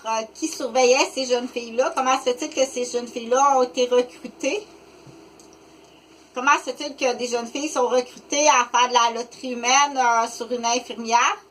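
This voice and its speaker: A woman in her fifties with a Québécois French accent, talking unscripted to the camera in a rambling, halting way, full of fillers and restarts. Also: a little high, fairly even intonation, a bit bright, slight background noise, poor audio. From Quebec, Canada. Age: 50s. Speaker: vlogger.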